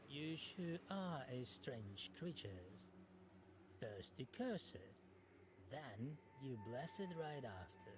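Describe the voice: Putting on a character voice, a man speaks at a medium pitch in a creaky tone, at a very slow pace with long, frequent pauses, over clear background noise.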